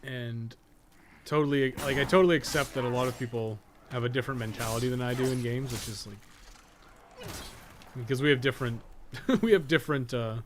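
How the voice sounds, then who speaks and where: A man's voice: medium pitch, normal speed. Rambling male game streamer, noisy recording. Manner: rambling, repeats and rephrases points; casual swearing. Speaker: video game livestreamer. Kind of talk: casual chat while playing, answering viewers.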